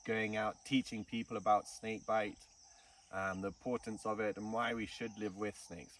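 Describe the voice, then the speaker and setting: Male guest from Kenya, relaxed storyteller, interview recorded at a distance outdoors. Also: lowish voice, moderate pace. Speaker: snake farm curator. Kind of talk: casual interview. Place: outdoors in the bush. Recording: distant mic with faint insect noise.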